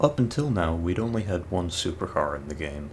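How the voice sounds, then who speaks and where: With audible room echo, a man speaks at a very deep, low pitch with lively intonation. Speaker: gaming youtuber. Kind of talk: gameplay commentary.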